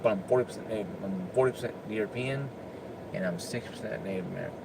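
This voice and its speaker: A political commentator, a man with a fairly low, gravelly voice, races through an unscripted opinion rant. He is emphatic and often stammers as he restarts his sentences. Background noise can be heard.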